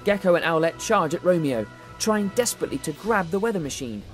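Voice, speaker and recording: A woman's voice: on the low side, expressive, brisk. A woman reading scripted narration for a children's story in a dramatic storytelling manner. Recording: music behind the voice.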